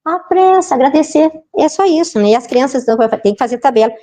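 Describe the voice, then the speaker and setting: A woman gives a spiritist talk in a loose, conversational way. Her voice sits a little high. She keeps checking in with her listeners through short tag questions. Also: expressive, fairly quick, warm tone. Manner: chatty, keeps asking the audience "né, gente?". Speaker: spiritist lecturer. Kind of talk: informal doctrinal talk.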